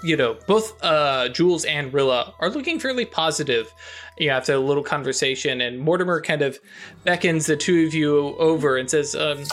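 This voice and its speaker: A man narrating as game master of a tabletop role-play, talking in a halting way with many fillers and restarts. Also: fairly high pitch, fairly bright tone, faint music behind. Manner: halting, lots of fillers and self-corrections.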